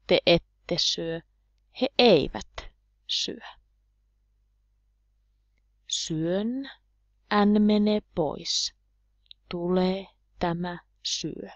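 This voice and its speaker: Soft-spoken woman teaching beginners. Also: fairly low pitch, no echo, muffled recording. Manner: slow drilling, repeating each word form. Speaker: language teacher. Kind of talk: slow, clear grammar lesson for beginners.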